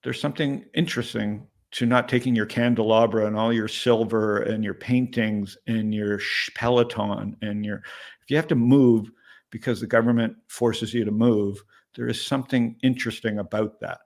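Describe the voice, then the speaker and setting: A lowish, darkish voice with fairly even intonation and a moderate pace belongs to a startup investor in his late fifties. As a guest in a casual interview, he rambles candidly and keeps checking in with "right?".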